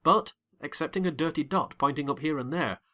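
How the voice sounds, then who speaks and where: A man giving an expressive, measured dramatized reading of a classic novel. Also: on the high side. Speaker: narrator.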